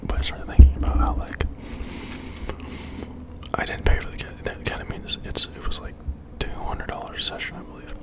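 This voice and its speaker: This is an ASMR creator who speaks entirely in a breathy whisper, close to the mic. The delivery is an informal, confiding ramble that starts and stops and keeps checking in with the listener. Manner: informal, halting, confiding, with frequent tag questions.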